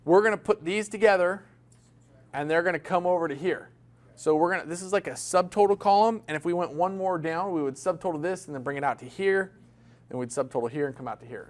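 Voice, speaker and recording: A male instructor lectures an accounting class in a classroom, his voice sitting a little high for a man. He keeps it loose and chatty, cracking small jokes and tossing questions out to the students.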